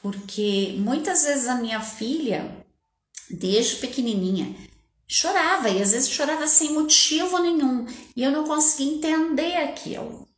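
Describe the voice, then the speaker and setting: A woman's voice: sits high, lively intonation, measured pace, reverberant. A woman, a mother giving a live talk, who explains earnestly and speaks directly to her listeners.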